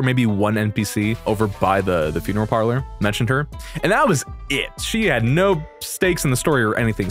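A young man giving enthusiastic, casual, slangy reaction commentary on videos in an excitable manner. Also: medium pitch. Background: music from game trailers.

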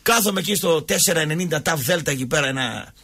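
A husky, fairly high-voiced man. He hosts sports radio and tells stories loudly in street slang, throwing in sound effects. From Thessaloniki, Greece. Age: 50s. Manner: rowdy, slangy, acts out fights with sound effects. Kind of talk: boisterous storytelling chat.

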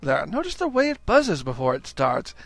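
A man voicing a hearty middle-aged father who gets boyishly excited. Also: fairly high pitch, normal speed, gravelly, no room sound, exaggerated voice.

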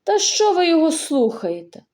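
A woman voicing a suspicious, angry old village man who shouts scornful accusations in an audiobook. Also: extremely high pitch, sing-song, normal speed, voice pushed up. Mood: accusing.

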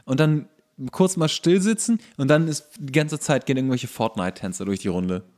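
A man with a middle-pitched voice talks casually as a podcast co-host. He tells anecdotes haltingly, circling back and repeating his words as he goes. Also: expressive, darkish tone. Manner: halting, repeats himself while telling.

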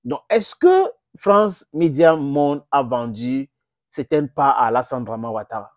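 A man's voice: sing-song, measured pace, no room sound. Impassioned middle-aged man, dry close sound. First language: English. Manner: impassioned, gesturing, addresses viewers as friends, pitch jumps for emphasis. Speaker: political commentator. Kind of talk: direct-to-camera political commentary. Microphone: clip-on lapel mic.

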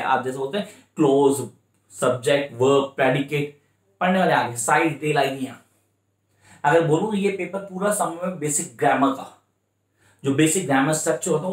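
A man tutoring students for an exam, switching between Hindi and English with an Indian accent and repeating his points step by step. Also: fairly high pitch. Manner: repetitive, coaching, slows right down for English phrases. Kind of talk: exam-prep lecture in mixed Hindi and English. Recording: echoey room.

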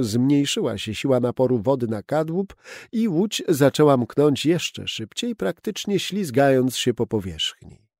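A man narrating an audiobook in a steady, expressive storytelling manner, recorded close up in a studio booth. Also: mid-range voice, vocal fry, no echo. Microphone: close studio mic.

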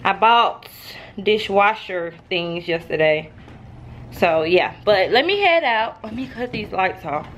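A woman's voice: medium pitch, lively intonation, takes it slowly, fairly bright tone, a little hiss or hum. A woman in her twenties vlogging casually to camera, chatty and unfiltered, filming on a handheld phone at home and then in her car. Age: 20s. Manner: chatty, unfiltered, talks straight to viewers. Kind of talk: casual vlog rant to camera.

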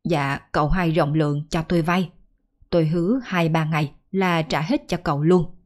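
A woman's voice: low voice, moderate pace, darkish tone, close to an everyday voice. A woman voicing a poor middle-aged gambler who humbly begs a rich man for a loan, in a folk ghost story. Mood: pleading. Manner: pleading, humble.

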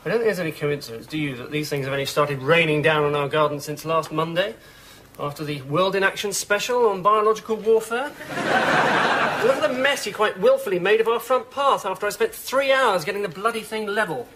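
A pompous, suspicious husband in a sitcom, ranting with accusations in a high voice. It is heard through an old TV broadcast with steady hiss. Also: male voice, fairly quick. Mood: accusing. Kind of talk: sitcom acting. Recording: noisy old TV broadcast audio.

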